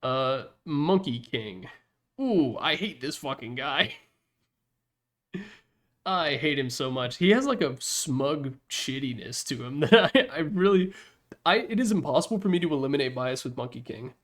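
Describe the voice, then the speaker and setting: The man's mid-range voice is animated but a little slow. Hosting a ranking of game announcer packs from his room, he rambles in a casual, sweary, straight-talking way into a Yeti desktop mic.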